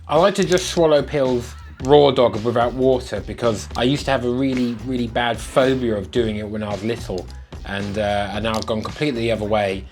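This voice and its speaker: A young British man with a mid-pitched voice talks to his vlog audience. He is casual and sweary, with dry, tongue-in-cheek delivery. Music plays behind him. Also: darkish tone. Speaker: vlogger. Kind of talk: casual first-person vlog to camera.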